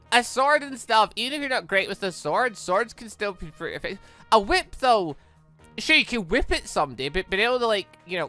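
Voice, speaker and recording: The voice is bright and forceful, with pitch that swings widely. It belongs to a gaming host doing a lively read-along of a visual novel, rambling into personal asides between lines. Faint music sits behind the voice. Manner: animated, rambling, slips between reading and reacting. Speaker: YouTube host reading a visual novel aloud.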